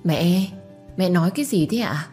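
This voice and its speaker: A woman's voice: on the low side, lively intonation, normal speed, darkish tone, faint music behind, voice pushed up, close to an everyday voice. A woman voicing a scheming sister-in-law who chides with false kindness. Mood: chiding. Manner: chiding, falsely kind. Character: scheming elder sister-in-law, sweet-faced.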